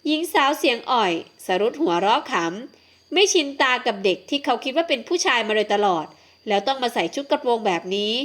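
Woman narrator for a romance audiobook; smooth, expressive scripted reading. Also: sits high, a little fast.

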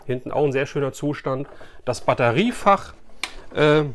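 A man's voice: mid-range voice, animated, normal speed, a little hiss or hum. A man chats casually and colloquially to camera as an enthusiastic host. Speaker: YouTube host, toy collector. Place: small furnished room lined with shelves of collectibles.

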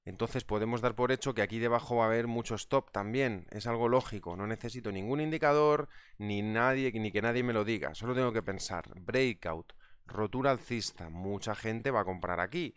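Chatty man, smooth low voice. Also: fairly quick. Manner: chatty, reads out viewer comments. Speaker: trading instructor. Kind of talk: live market analysis webinar.

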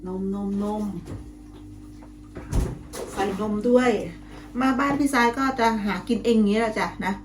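A middle-aged woman, a little hoarse from calling, chatting casually to her viewers in a home vlog, friendly and talkative. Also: on the high side. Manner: chatty, friendly, ends phrases with soft polite particles. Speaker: vlogger.

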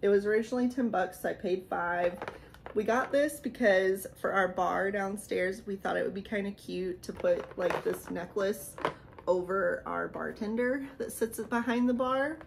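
A woman in her thirties shows off a haul in a vlog, chatting casually, rambling and laughing from a small decorated room indoors. Her medium-pitched voice moves at normal speed and sounds a little hoarse since she's losing it. There's background noise.

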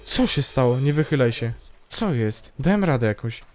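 A man's voice: mid-range voice, expressive, moderate pace, darkish tone, soft background music. A man hosting his gaming channel, giving casual let's-play commentary in a chatty, self-mocking way and talking to himself as he plays.

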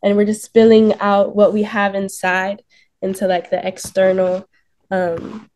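A woman's voice: medium pitch, level tone, measured pace, darkish tone. A woman casually and tentatively explaining something on a video call, with frequent filler words.

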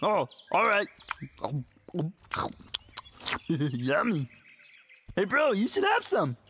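A woman's voice: mid-range voice, wildly swooping pitch, slow, a bit bright, slight background noise, full character voice. A woman voicing a gleeful, greedy young cartoon bear brother in a playful, exclaiming manner. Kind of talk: children's cartoon voice acting. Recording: music behind the voice.

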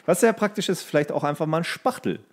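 A man's voice: fairly high pitch, fast talker. A man co-hosting a podcast, chatting casually in colloquial speech and rambling from one thought to another. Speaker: podcast co-host. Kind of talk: casual chat.

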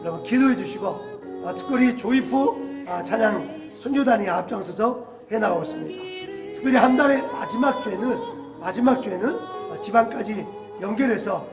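A man, a pastor, giving a church announcement and prayer over a PA system in a preachy way with frequent drawn-out "ah" fillers. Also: high-pitched, expressive. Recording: echoey church hall with music.

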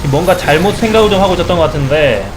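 A man's voice: on the high side, animated, racing, background noise. A man giving casual mobile game commentary as a streamer, reacting aloud and asking himself questions as he plays. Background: game music.

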